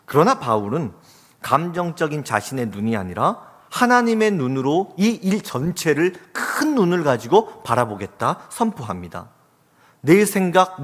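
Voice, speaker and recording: A pastor in his forties preaching a sermon, telling a family story earnestly and acting out the voices in it. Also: fairly high pitch. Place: church sanctuary. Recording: long reverb of a church hall.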